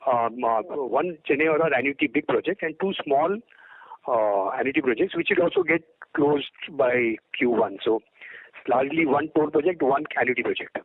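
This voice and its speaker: A man's voice: mid-range voice, expressive, moderate pace, husky, no room sound, narrow, tinny audio. A man with an Indian accent, a company executive answering questions on an earnings call, hesitant and repeating words, over a phone conference line.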